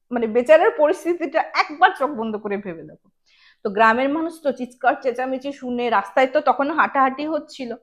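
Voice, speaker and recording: Female horror podcast storyteller: high voice, chatty, direct to the listener, sprinkles English words. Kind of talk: informal spoken ghost storytelling.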